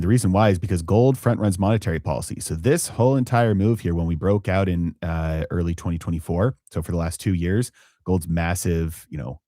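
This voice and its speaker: A man with a very deep voice hosts a live finance stream, thinking aloud with frequent fillers and restarts. The sound is dry and close, with no room around it. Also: a little mellow, no room sound. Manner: halting, many fillers and restarts. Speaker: finance channel host. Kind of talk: live-stream market commentary.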